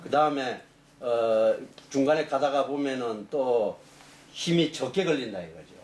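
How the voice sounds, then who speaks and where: A man's voice: mid-range voice, lively intonation, a little slow, a little mellow, roomy sound. A middle-aged man, an engineering professor, answering interview questions in long explanations full of fillers and restarts.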